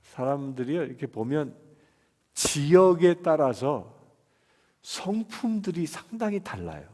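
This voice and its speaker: Korean pastor in a reverberant hall. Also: male voice, fairly high pitch, sing-song, unhurried, dark tone. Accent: Seoul Korean. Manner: conversational, asks the listeners questions and answers them. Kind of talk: expository sermon. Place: church.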